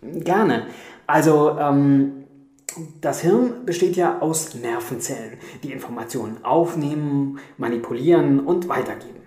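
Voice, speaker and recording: An actor playing a technically minded programmer in a radio drama, explaining in a hesitant manner. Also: male voice, a little high, expressive, unhurried, darkish tone. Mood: explanatory, hesitant. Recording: roomy echo.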